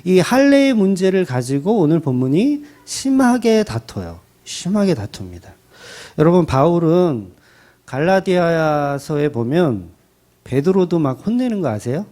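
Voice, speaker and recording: A man preaching a Sunday sermon, his pitch swinging widely as he talks. His voice sits a little high but has a mellow, dark tone. He tells the Bible story in a dramatic, conversational way. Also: measured pace. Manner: colloquial, dramatic storytelling with acted quotes; animated, rising and falling delivery. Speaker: pastor.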